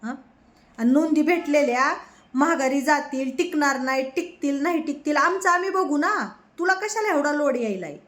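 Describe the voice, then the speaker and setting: High-voiced woman in a scolding rant. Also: expressive, moderate pace, a bit bright. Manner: scolding, mocking, heated. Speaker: political commentator. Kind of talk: angry political rant.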